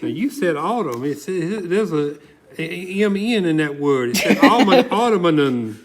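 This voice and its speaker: An excitable comic gator, played by a man, high in pitch and wildly up and down in tune. He chimes in with folksy commentary and repeats himself for effect. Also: moderate pace. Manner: folksy, interjecting, repeats phrases.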